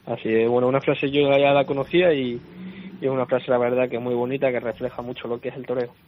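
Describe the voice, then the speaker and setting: Young male guest, calm and measured, dull lo-fi sound. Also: mid-range voice, slight background noise. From Spain. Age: young adult. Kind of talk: radio interview answers.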